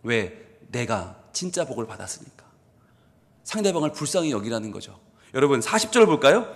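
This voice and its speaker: A man, a pastor, preaching a sermon in an animated storytelling way, acting out the people in his stories and asking the congregation questions he answers himself. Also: mid-range voice, brisk, creaky. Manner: animated storytelling, acts out quoted speakers. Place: church sanctuary. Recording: long hall reverb.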